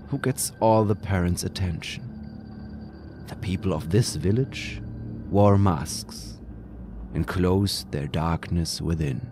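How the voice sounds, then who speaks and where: A man whose first language is German, slowly reading a scripted horror story with deliberate, dramatic pauses. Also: low-pitched. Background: music.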